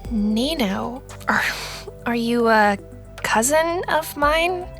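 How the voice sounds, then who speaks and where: A sarcastic sixteen-year-old girl in a podcast drama. Her voice is high, her delivery wry and incredulous with small stammers, and faint music plays underneath. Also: animated, slow pace, fairly bright tone, full character voice. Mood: puzzled. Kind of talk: audio drama acting.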